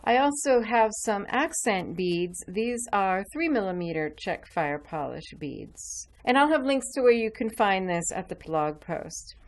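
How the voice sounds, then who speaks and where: A woman's voice: mid-range voice, darkish tone. A woman hosting a jewelry-making tutorial, chatting casually as she shows each step with her hands at a craft table. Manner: chatty, explains while working with her hands. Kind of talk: relaxed step-by-step craft demonstration.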